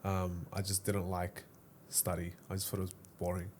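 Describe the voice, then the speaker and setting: A man's voice: deep voice, monotone, moderate pace, darkish tone, a little hiss or hum. A young man hosting a podcast, chatty and friendly, with lots of fillers and repeated words. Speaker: podcast host. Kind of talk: casual interview chat.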